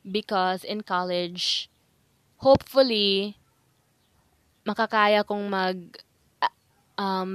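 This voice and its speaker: A woman's voice: mid-range voice, no room sound. A teenage girl from the Visayas with a Filipino accent, whose first language is Bisaya, chatting casually and rambling with giggles on her own podcast. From Visayas, Philippines. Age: mid-teens. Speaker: podcast host. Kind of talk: casual solo podcast chat.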